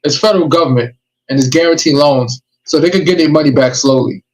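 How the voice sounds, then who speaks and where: A man's voice: a little high, fast talker, rough recording. A man hosting a podcast, giving emphatic, streetwise warnings and advice in casual chat. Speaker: podcast host.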